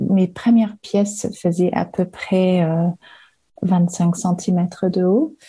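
In an English accent, a woman with a medium pitch and a dark, mellow tone speaks very slowly and somewhat breathily, her intonation fairly even and her loudness very even. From Western Australia. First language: English (speaking French). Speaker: ceramic artist. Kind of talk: interview. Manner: halting, many repetitions.

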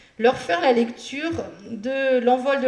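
Flat, monotone delivery against noticeable background noise. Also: woman. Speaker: widow. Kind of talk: reading aloud a letter.

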